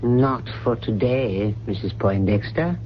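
An actor playing a faithful, discreet family butler in a radio drama, speaking in a formal, measured, deferential manner. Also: male voice, fairly low pitch, a little hiss or hum. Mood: formal, soothing. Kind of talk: 1970s radio drama acting. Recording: dull, humming old radio broadcast recording.

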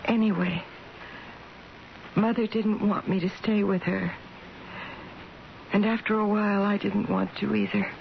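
Creaky-voiced weary mother, muffled radio. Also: mid-range voice, fairly even intonation, a little slow, pauses often. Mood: wistful, puzzled. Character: weary mother recovering in hospital, wistful, gentle. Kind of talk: radio drama acting. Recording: muffled radio broadcast with faint hiss.

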